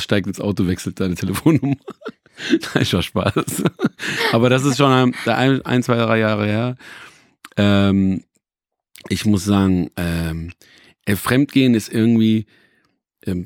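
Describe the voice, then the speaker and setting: A man's voice: lowish voice, no echo, clean studio sound. A man in his thirties chatting casually, rambling with many fillers, restarts and joking asides. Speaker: hip-hop journalist. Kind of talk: casual chat.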